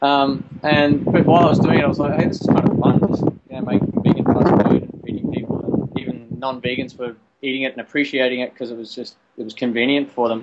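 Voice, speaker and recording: With an Australian accent, a man at a medium pitch talks at a very fast pace with hardly any pauses, ordinary pitch variation and big swings in loudness. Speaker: hot dog vendor. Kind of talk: casual interview.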